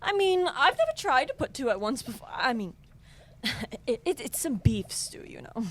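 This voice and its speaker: A woman's voice: high voice, sing-song, moderate pace, a bit bright, a little hiss or hum. A woman playing a comically evil, child-eating witch in a radio play, theatrical and easily flustered. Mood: sly, flustered. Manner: theatrical cackling, flustered asides. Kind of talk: comedic audio drama acting.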